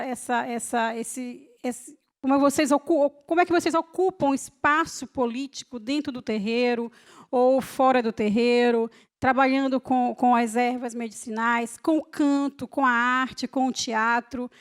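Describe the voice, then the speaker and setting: Moderadora de voz aguda e reflexiva. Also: female voice, high voice. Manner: reflective, repeats and restarts words. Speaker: moderator of the talk. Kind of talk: panel discussion.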